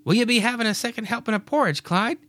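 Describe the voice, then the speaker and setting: A man doing a lively young farm wife. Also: fast talker, dry recording. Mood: teasing. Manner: high, fluttery put-on voice drifting toward a southern drawl.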